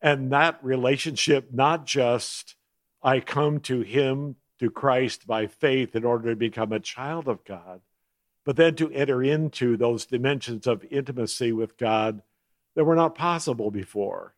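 A man preaching a sermon as a guest speaker, slowing down to lean on key words and clearing his throat now and then. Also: medium pitch, no echo. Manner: measured preaching with slowed emphasis on key words.

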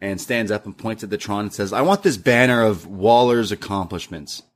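A man's voice: on the low side, normal speed. Casual young man recapping wrestling. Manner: lively recap with acted-out quotes. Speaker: wrestling show reviewer.

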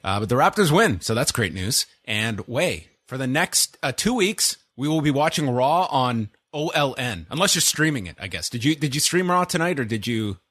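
A man's voice: medium pitch, very animated, moderate pace, hardly any pauses, a bit bright, slightly rough, no echo. A man from Canada co-hosting a podcast, chatting casually with dry, sarcastic humor. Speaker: podcast co-host. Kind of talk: casual chat.

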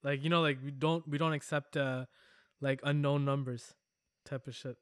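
A man's voice: medium pitch, fairly even intonation, normal speed, smooth, dry recording, clean studio sound. A man co-hosting a podcast, telling stories in casual chat, laughing often and swearing as he rambles. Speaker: podcast co-host.

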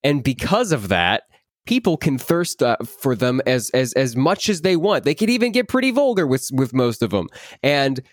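A man in his twenties, a voice actor, chatting in an interview, animated and repeating words as he acts out quotes. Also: medium pitch, normal speed, no room sound, studio quality. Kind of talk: casual interview chat.

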